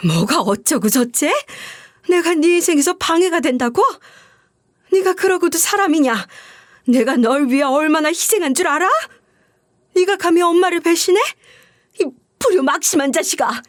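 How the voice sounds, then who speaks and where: A middle-aged widowed mother, played by a woman, hurt and furious at her son. She pleads and shouts in a high, pushed voice. The sound is dry and close, as in a story radio recording. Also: moderate pace, dry recording, lightly acted. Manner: pleading then shouting in anger.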